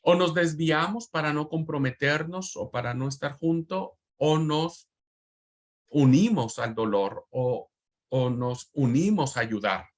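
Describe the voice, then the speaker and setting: A man's voice: a little high, unhurried. A man teaching a Bible class in a preaching manner, fervent, repeating words for emphasis and addressing his listeners as brothers.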